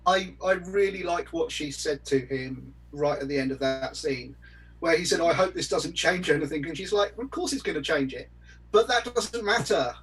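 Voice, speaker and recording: A man's voice: a little high, moderate pace, fairly bright tone, husky, distant mic, poor audio. A man speaking in a casual discussion as a panelist, articulate and wry. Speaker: podcast panelist.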